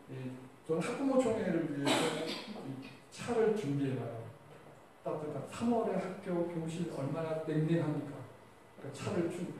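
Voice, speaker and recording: In an echoey hall, a man with a slightly high, mellow voice gives a conversational lecture to fellow teachers, posing questions to the live audience. The mic is distant and there's faint noise.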